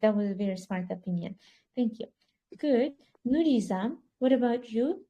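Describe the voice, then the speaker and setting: A woman leads an online English speaking club over a video call. Her voice sits high but sounds mellow and soft-edged. She prompts each speaker in an encouraging way. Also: lively intonation, normal speed, dull audio. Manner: encouraging, switching between English and Kyrgyz. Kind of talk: online English conversation class.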